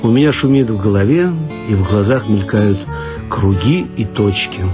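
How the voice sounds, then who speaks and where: A man's voice: fairly low pitch, normal speed. A man reading humorous first-person stories for radio in a mock-earnest, ironic manner. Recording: archival radio recording with guitar music. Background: guitar music.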